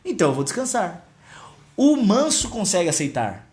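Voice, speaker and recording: A man preaching a devotional teaching, telling a story and addressing viewers directly in an animated way. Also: high-pitched, normal speed.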